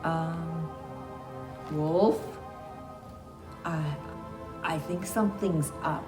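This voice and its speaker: A woman playing an earnest, excitable Red Riding Hood, announcing a fairy tale fashion show in a theatrical skit style. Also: deep voice, drawn-out words. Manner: theatrical, animated. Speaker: co-host. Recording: roomy echo, music behind.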